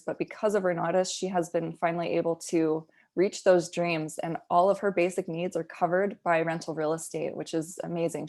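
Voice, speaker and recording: Female host, upbeat and promotional; reads schedules, introduces the guest; slightly low voice. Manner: bright, promotional delivery.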